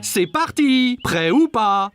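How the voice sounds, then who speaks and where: An actor playing a patient, reassuring father of young children in a children's cartoon, calm and encouraging over music. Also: medium pitch, takes it slowly. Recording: music under the voice.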